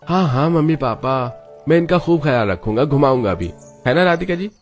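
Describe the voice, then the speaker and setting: A man voicing a polite, eager young husband in an animated story, speaking courteously and cheerfully. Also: a little high, fairly quick, faint music behind, close to an everyday voice. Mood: sweet.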